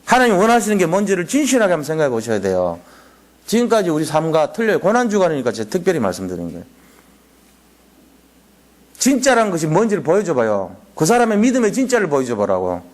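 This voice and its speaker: A male pastor preaching a Friday night sermon. He is animated and drops into soft, low asides. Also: quick pace.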